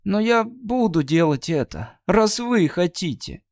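A man doing a shrill stubborn country girl. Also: big pitch swings, unhurried, a little mellow, dry recording, clean studio sound, heavily acted. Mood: pleading. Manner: plain, ungrammatical folksy speech. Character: young woman, uneducated, stubborn and despairing.

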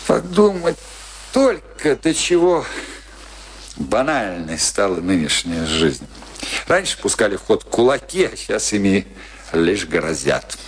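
An actor playing a middle-aged, wry, philosophizing husband in a bitter long marriage, in a Russian radio play with theatrical, musing delivery. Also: male voice, lowish voice, sing-song, unhurried, a little hiss or hum. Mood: musing, ironic. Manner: theatrical, musing, swinging between teasing and brooding. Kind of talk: Russian radio play acting, dramatic dialogue.

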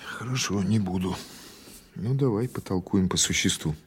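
Police investigator, audio drama: rough husky male voice, lowish, conversational and probing, patient but insistent. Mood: methodical, pressing. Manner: halting, conversational, insistent questioning. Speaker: actor in an audio play. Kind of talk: naturalistic audio drama dialogue.

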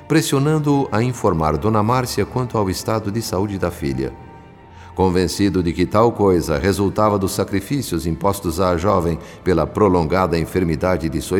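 A man playing the solemn narrator of a Brazilian radio drama, with a Brazilian accent and a formal, literary delivery. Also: low-pitched. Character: solemn spirit narrator, grave and literary observer. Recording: long reverb under faint music.

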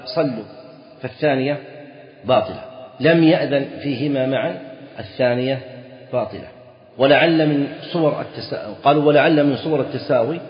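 A male scholar giving a classroom lesson on a legal text, reading a passage, then unpacking it while repeating key phrases. His voice sits at an ordinary middle pitch. The recording is dull and lo-fi, with the long echo of a large hall. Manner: asks the students questions and answers them himself. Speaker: Islamic scholar teaching a fiqh text.

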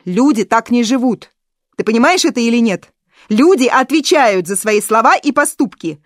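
An irritable stepmother in an audiobook, as a woman reader puts her on. She lectures loudly, her voice raised above the narration, in a dry recording. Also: a little high, expressive, normal speed, no echo, pitched above the performer's own voice, natural voice. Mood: scolding. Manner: loud, scolding, lecturing. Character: stern young stepmother, irritable, scolding.

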